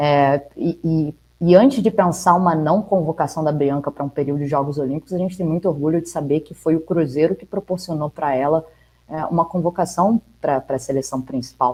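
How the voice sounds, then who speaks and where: This woman has a very deep, low pitch and a dark, mellow tone. She speaks at a moderate pace. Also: ordinary pitch variation. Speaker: women's football club director. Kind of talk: interview.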